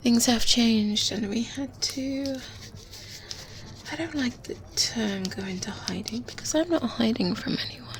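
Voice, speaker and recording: A woman playing a kindly, wise older witch in a softly spoken, whispered ASMR roleplay, with gentle, pensive pauses. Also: a little high, poor audio. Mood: pensive, secretive. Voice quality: soft, breathy, mostly whispered. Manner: unhurried, gentle, pensive, with murmured hums and pauses. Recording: faint ambient noise bed. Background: medieval ambience sounds.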